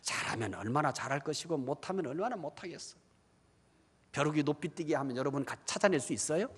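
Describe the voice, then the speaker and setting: A male pastor preaching a sermon, animated, asking the congregation questions and acting out believers' inner voices. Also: a little high, quick pace, breathy edge. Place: church hall. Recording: church hall reverb.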